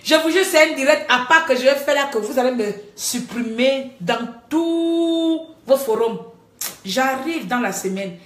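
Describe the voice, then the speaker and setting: A woman talking to her viewers in a live-stream monologue, animated, scolding and joking by turns. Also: sits high, measured pace. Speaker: livestreamer. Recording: echoey room.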